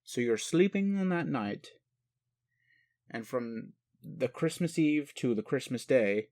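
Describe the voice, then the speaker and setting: A man playing a bemused, gentle and naive male alien caregiver in an intimate roleplay audio, speaking hesitantly and haltingly. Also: medium pitch, very animated, dry recording, clean studio sound. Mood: incredulous. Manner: hesitant, puzzled, halting, sighing. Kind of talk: intimate one-sided roleplay audio acting.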